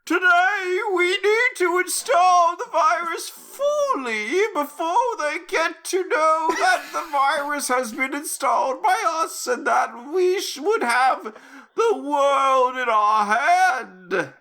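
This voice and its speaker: A man voicing a melodramatic villain team leader from a story, declaiming with loud, strained drama. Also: very high voice, expressive, slow pace, voice pushed up, full character voice. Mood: wailing menace.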